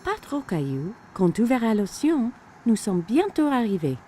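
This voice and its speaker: A woman playing a gentle, attentive, encouraging mother in a children's cartoon dub. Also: a little high, sing-song, normal speed, soft background music. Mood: gently caring.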